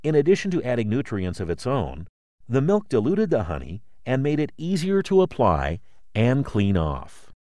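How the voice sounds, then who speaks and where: A man reading a scripted promotional explainer as a voice-over, in a polished, measured announcer's manner. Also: medium pitch, wildly swooping pitch, dark tone, no echo, studio quality. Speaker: voice-over narrator.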